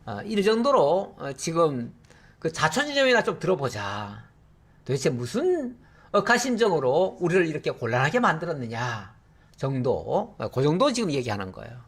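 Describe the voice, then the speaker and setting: A middle-aged male pastor teaching verse by verse through the Bible in a conversational way, often pausing with short fillers and acting out quotes from the text. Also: fairly high pitch, sing-song, gravelly, husky.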